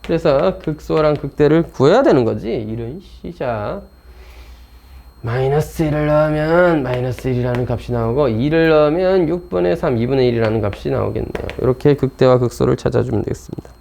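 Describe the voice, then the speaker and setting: A man's voice: mid-range voice, brisk, gravelly, warm tone, slight background noise. A man teaching math in an informal lecture, blunt and chatty, talking himself through problems. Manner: casual and blunt, talks to himself and teases the textbook.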